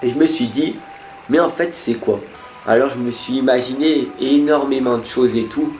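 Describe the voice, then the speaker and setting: With a darkish tone and mid-range voice at normal speed, a male card reader presents his weekly tarot guidance talk, earnestly encouraging the listener he speaks to directly. The recording has an echoey room sound and faint music.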